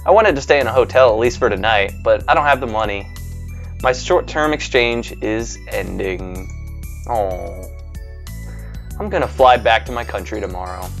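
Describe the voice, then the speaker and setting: A man's voice: on the low side, normal speed. A young man hosting a casual game video, reading the lines aloud and laughing self-consciously. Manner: giggly, self-conscious and animated. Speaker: gaming video host. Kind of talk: casual let's-play commentary and reading aloud. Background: faint game music.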